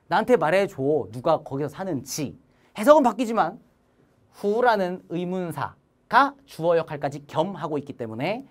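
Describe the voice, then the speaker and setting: Animated woman teaching grammar. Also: medium pitch. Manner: animated, sing-song teaching with playful asides. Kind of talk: lively online grammar lecture.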